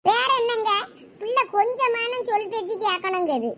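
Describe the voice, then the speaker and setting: Nagging village mom, very high bright voice, Thoothukudi Tamil accent, cartoon. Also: female voice, normal speed, heavily acted. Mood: scolding. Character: sharp-tongued scolding village mother. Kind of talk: cartoon voice acting.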